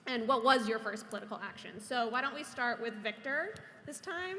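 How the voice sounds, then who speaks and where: A woman's voice: fairly high pitch, lively intonation, fairly quick, bright, forceful tone. A young woman from Maine, a college senior, moderating a youth panel in a friendly, informal way. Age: young adult. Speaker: forum moderator. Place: convention hall. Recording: hall reverb, faint noise.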